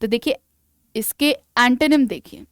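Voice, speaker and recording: A woman teaching English vocabulary in Hindi mixed with English, asking the class questions and reading definitions aloud slowly in an Indian English accent. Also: on the high side, lively intonation, fairly bright tone, no echo. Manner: asks the class rhetorical questions. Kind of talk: online exam-prep lesson.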